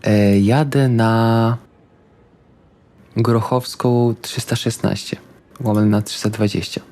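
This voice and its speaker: A man's voice: lowish voice, fairly even intonation, slow pace, darkish tone. A man playing a tabletop roleplaying game, speaking casual in-character dialogue.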